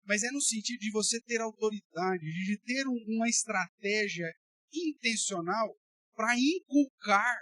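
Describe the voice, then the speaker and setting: A man's voice: sits high, animated, measured pace, bright, forceful tone, no room sound. A man with a Brazilian Portuguese accent, a pastor giving an emphatic, colloquial sermon and speaking bluntly to his listeners. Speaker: pastor teaching a Bible study.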